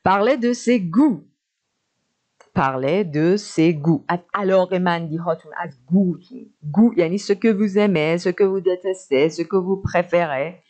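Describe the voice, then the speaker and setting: A woman teaching an online French lesson, saying phrases slowly in French and then explaining them quickly in Persian. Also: lowish voice.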